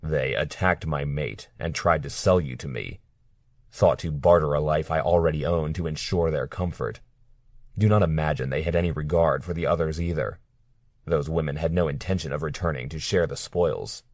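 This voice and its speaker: A man voicing a cold, menacing male captor in an audiobook, speaking quietly and mockingly. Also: rumbling low, normal speed, no echo, studio quality. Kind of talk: audiobook character reading.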